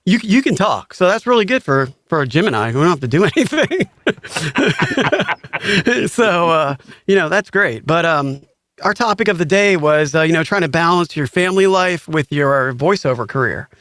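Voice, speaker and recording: A man's voice: on the high side, expressive, normal speed, a bit bright, no room sound, clean studio sound. A man hosting a podcast in a casual, easygoing chat, joking along with his guests. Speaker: podcast host.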